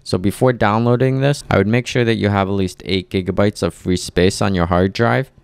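A man with a very low, smooth voice presents a software tutorial. He explains each step methodically and plainly. The sound is dry and close to the mic. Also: steady tone, brisk, no echo. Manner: clear, methodical instructing.

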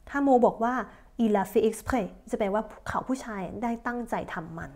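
A Thai woman teaching a French lesson, slowly reading out model sentences and explaining each one politely. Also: on the high side, darkish tone. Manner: slow, drawn-out model sentences, polite particles. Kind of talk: language lesson explaining verb conjugation.

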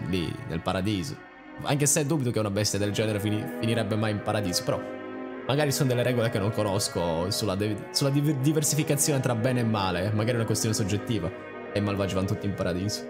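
A young man giving casual, rambling, joking let's play commentary with theatrical reactions. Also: on the low side. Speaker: gaming channel host.

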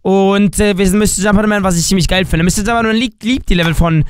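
Young guy with a cold doing let's play commentary, high clear voice, goofy, yells then drags words out slow. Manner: excitable, jokey, switches between shouts and drawn-out slow words. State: has a cold, dry voice. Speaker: gaming YouTuber.

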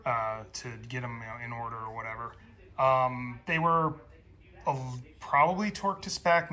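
A man's voice: medium pitch, bright, forceful tone. A man narrating his car build in a casual work vlog, matter-of-fact and full of ums and uhs, filmed on a phone in his garage. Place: home garage.

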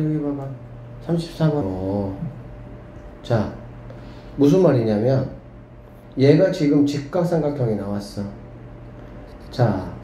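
A man teaching a math class to students, lively and often checking whether they follow. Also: medium pitch. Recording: echoey room with faint background hum.

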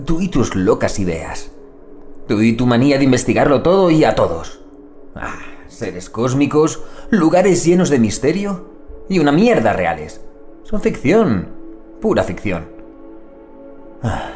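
An anguished investigator, played by a man in an audio drama, brooding over the horrors ahead. His mid-pitched voice swings widely, from theatrical outbursts to dark muttering. Music plays behind him. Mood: agitated, sardonic. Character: anguished male investigator dreading cosmic horror, loyal to friend.

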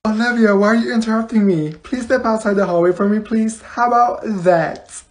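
A woman's voice: fairly high pitch, a little fast, darkish tone, slight background noise, lightly acted. Woman playing a bossy, exaggerated schoolteacher. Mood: stern, sassy. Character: bossy, fake-cheerful female schoolteacher scolding her class. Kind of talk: comedy classroom skit.

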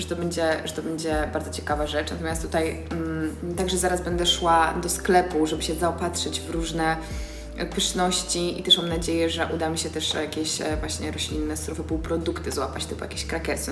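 A young woman with a fairly low voice talks to her phone camera from a bright living room, chatty and eager, filling pauses with little hesitation sounds. Her voice rings in the bare room, and music plays clearly underneath. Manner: chatty and enthusiastic, with many filler sounds. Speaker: vlogger. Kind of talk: casual vlog chat to camera. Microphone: phone camera on a tripod nearby. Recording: roomy echo with music behind.

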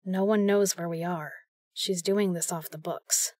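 A woman's voice: lowish voice, fairly even intonation, measured pace, a little mellow, dry recording, clean studio sound. A woman playing a tough, protective secret agent in an audio drama, speaking in a blunt, matter-of-fact way. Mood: grim, wary.

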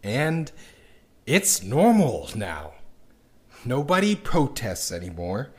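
A man's voice: medium pitch, huge pitch swings, slow pace, darkish tone. A man playing a bitter, despairing character in an audio drama, ranting with sweary passion. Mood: bitter, hopeless. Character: bitter, despairing young man raging at a doomed world.

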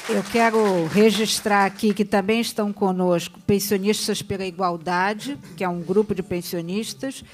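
A woman chairing a legislative hearing, brisk with informal asides. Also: medium pitch, fairly even intonation, a crowd in the background. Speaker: committee chair, state deputy.

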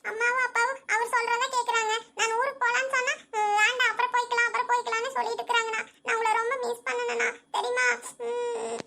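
A woman playing a sobbing young village sister in a cartoon, with a childlike whimper. Her voice is squeaky-high and bright, and she talks quickly in a flat, sing-song line. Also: slight background noise. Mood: tearful. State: crying, sobbing. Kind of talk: cartoon voice acting.

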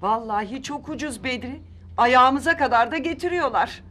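An actress playing a chatty housewife on holiday who coaxes her husband in a lively way in a sitcom. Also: high-pitched, moderate pace, a little hiss or hum. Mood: coaxing. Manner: lively, coaxing. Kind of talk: sitcom acting.

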